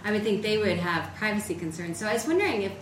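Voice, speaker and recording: A woman in a seminar audience asking a thoughtful, measured question. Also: medium pitch, animated, far from the mic. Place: seminar room. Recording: echoey room, off-mic, noticeable background noise.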